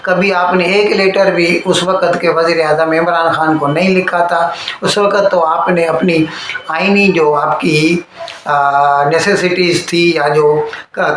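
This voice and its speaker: A man with a South Asian accent gives conversational news commentary to viewers, mixing in English terms. His voice is on the high side with a fairly bright tone, recorded in a very echoey room with faint background noise.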